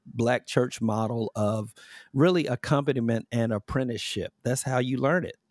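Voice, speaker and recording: A man with a Tennessee accent at a moderate pace, on a very clean recording with a silent background. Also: dry, close sound with no echo. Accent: Southern US (Tennessee). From US South, rural southeast Tennessee. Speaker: musician and anti-racism educator. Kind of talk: casual interview.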